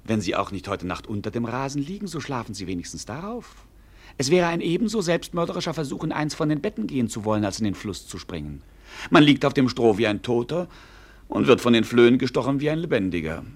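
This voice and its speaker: An actor playing a sardonic, down-to-earth jester in a classic German radio play, husky and mock-pompous. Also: male voice, mid-range voice, very animated, fast. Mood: wry, earthy. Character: mocking, down-to-earth jester companion of a prince.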